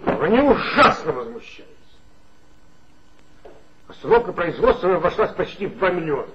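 Fussy, pompous police chief, higher voice, muffled vintage tape sound. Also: male voice, big pitch swings, normal speed, background noise. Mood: insistent. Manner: insistent, fussy and emphatic. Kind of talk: 1960s Soviet radio play acting. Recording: dull 1960s studio recording.

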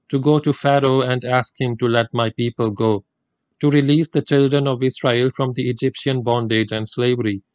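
An older man whose mother tongue is Gujarati delivers a formal religious talk in English. He speaks in a measured, deliberate cadence at a middling pitch. The recording is close and dry, with little room sound. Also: no echo. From India.

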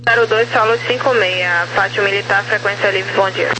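A woman's voice: mid-range voice, fairly even intonation, moderate pace, bright, forceful tone, poor audio. A woman air traffic controller with a Brazilian Portuguese accent, giving clipped instructions over a two-way radio. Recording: hissy radio transmission.

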